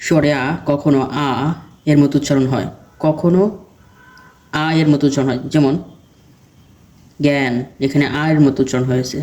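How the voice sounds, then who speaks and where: This exam-prep teacher has a fairly high, slightly quick voice and pauses often. He reads out quiz questions one after another and follows each with its answer in an even, recitation-like rhythm.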